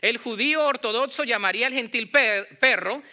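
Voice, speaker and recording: High, bright-voiced Latin American man preaching. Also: normal speed. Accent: Latin American Spanish. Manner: animated, acts out imagined dialogue, questions the congregation. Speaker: pastor preaching. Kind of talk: conversational Bible-teaching sermon.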